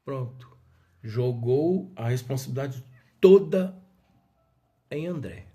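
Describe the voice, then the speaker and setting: A man leading a study, reading a spiritist book aloud and explaining it in an animated, playful way. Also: medium pitch, takes it slowly. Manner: animated, playfully acts out the characters' exchanges. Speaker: study group leader.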